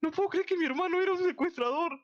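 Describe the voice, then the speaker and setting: A person improvising a game roleplay with friends in an excitable, theatrical way over online voice chat. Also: very high-pitched, rapid-fire. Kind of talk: improvised Minecraft roleplay chatter. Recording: dull, slightly noisy gaming mic.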